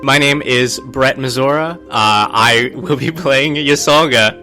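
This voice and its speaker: Male tabletop player, mid-range voice, measured and drily understated, music behind. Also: mid-range voice, bright, forceful tone. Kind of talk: describing his roleplaying character. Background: background music.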